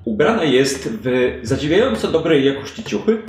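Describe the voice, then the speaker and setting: A man's voice: a little high, lively intonation, normal speed, darkish tone. A man improvising conversational, descriptive narration as the game master of a tabletop role-playing session. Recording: roomy sound with music behind.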